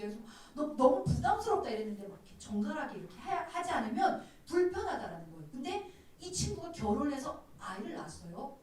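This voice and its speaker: High, lively woman preaching in an echoey room. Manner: animated storytelling, acts out quoted dialogue. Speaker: youth pastor. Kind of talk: sermon to teenagers. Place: church. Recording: very echoey room, distant mic.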